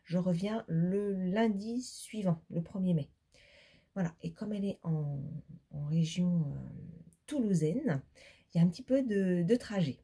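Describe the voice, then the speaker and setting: Still tired and congested from laryngitis, this middle-aged French knitting vlogger talks casually to camera, rambling and using lots of fillers. Her voice sits in the mid-range, with a dark, slightly rough tone.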